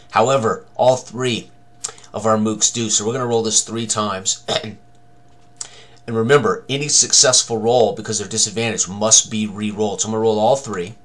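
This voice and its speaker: A man in his sixties walking through tabletop game combat rules as a tutorial, halting and thinking aloud as he works. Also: on the low side, a bit bright.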